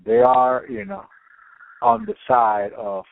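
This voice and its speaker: A man talks in animated casual chat, his pitch swooping up and down through a gravelly voice. The sound is dry and narrow, like a phone line. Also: slow. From Cuba. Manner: animated storytelling, swearing, many fillers.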